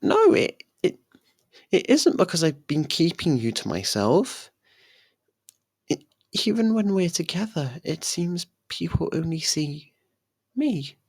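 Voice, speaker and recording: A performer voicing a possessive, lovestruck young faerie royal in an intimate ASMR roleplay, speaking softly and haltingly. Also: medium pitch, sing-song, breathy edge, no room sound, clean studio sound, full character voice. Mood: worried. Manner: hesitant, halting, soft and pleading.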